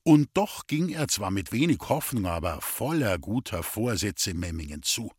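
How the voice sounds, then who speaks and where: A man reading an old folk tale aloud as an audiobook, with lively, old-fashioned storytelling. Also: on the low side, normal speed, slightly rough, dry recording, clean studio sound. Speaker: reader.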